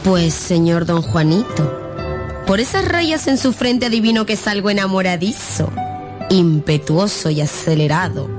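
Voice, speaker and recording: An actress playing a witty, confident young gypsy fortune-teller in a radio drama, articulate and teasing. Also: female voice, fairly low pitch, animated, moderate pace, music in the background, natural voice. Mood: sly, teasing. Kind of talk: Spanish-language radio drama acting.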